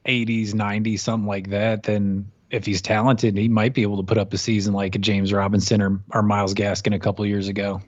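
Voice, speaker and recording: A man co-hosting a casual sports podcast, throwing in quick teasing jabs. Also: lowish voice, flat delivery, dry recording, lo-fi sound. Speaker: podcast co-host.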